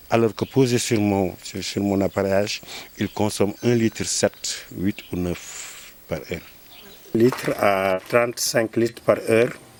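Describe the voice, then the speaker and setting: Very slowly and with fairly even intonation, a man speaks at a fairly low pitch. The sound is dry and close with no echo, though background noise is noticeable. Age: 70s. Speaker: inventor. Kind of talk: interview. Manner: halting, many fillers and repetitions.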